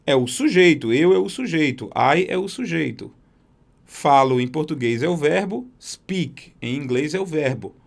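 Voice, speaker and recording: A man teaching a beginner English class, patiently explaining grammar and slowly modelling words. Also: on the high side, expressive, vocal fry.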